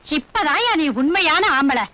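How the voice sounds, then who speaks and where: An actress playing the nagging, sarcastic wife of a comic swindler, in an old film comedy. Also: female voice, sits high, lively intonation, unhurried, pushed and bright, slight background noise, exaggerated voice. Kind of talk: 1980s comedy film acting.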